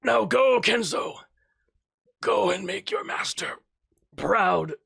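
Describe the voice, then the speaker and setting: A dying old sword master gives his last words softly and solemnly, played by a man for a tabletop game. The voice sits above the performer's usual pitch and drops to near whispers in places. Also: wildly swooping pitch, slow pace, creaky, breathy edge, heavily acted. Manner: solemn, gentle.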